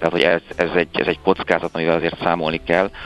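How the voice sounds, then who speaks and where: Monotone, flat delivery over noticeable background noise. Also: man. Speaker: commodity trader. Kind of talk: market briefing.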